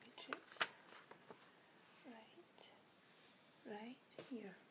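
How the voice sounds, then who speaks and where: Someone whispers at a very slow pace in a Russian accent over noticeable background noise. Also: woman. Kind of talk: ASMR book reading. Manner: whispered.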